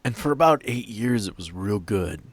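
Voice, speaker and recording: A man playing an artist's guarded, wistful daughter in a tabletop game, speaking in halting, subdued short phrases. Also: lowish voice, lively intonation, breathy edge, no room sound. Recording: music behind the voice.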